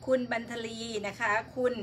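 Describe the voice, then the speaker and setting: A woman's voice: normal speed, a little hiss or hum. A woman hosting a live stream in casual chat, politely reading out and greeting her viewers one by one.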